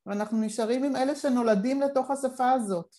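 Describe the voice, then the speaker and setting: A woman's voice: high-pitched, warm tone. A woman speaking reflectively and expansively in an online panel discussion, talking over a video call from her living room. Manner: reflective, expansive, thinking aloud. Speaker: panel participant.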